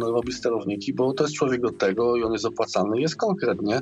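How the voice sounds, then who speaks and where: Noticeable background noise behind a man's very fast delivery. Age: 40s. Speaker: blogger and magazine editor. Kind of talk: casual chat.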